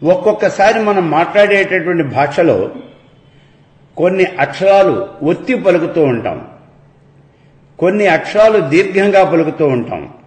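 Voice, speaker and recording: Male lecturer, unhurried and careful, lively rising and falling pitch, roomy reverb on the voice. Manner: measured, deliberate, stretches example syllables. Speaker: lecturer on Vedic chanting. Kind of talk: slow explanatory lecture.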